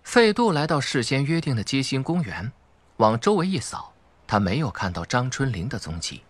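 A man's voice: medium pitch, very animated, normal speed, no room sound. A man reading a suspense audiobook as a dramatic scripted narrator.

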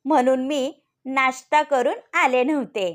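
A woman's voice: sits high, steady tone, unhurried. A woman voicing a bold, cheeky young college girl with a breezy, playful way of talking.

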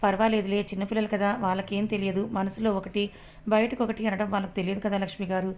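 A woman's voice: medium pitch, level tone, quick pace, a little mellow, lightly acted. A woman doing consoling mother Bhuvana. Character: soothing middle-aged mother, Bhuvana.

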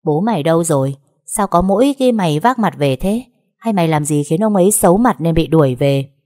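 A woman voicing a spiteful middle-aged stepmother in an audiobook story, speaking in a shrill, abusive, scornful way. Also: lively intonation, fairly quick, darkish tone, dry recording, studio quality. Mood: mocking. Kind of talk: audiobook narration.

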